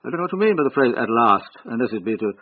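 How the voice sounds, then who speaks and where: An actor playing a stubborn older country squire who speaks in a blunt, stiff, formal way. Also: male voice, medium pitch, sing-song, racing, slight background noise, lightly acted. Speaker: uncle of the bride. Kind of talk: radio drama acting. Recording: thin phone-like radio sound.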